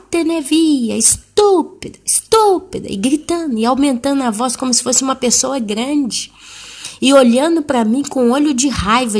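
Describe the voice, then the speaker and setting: A woman in her thirties or forties tells a personal testimony to her congregation, telling the story vividly. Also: fairly high pitch. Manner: animated, acting out the people she quotes. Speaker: church speaker giving a testimony.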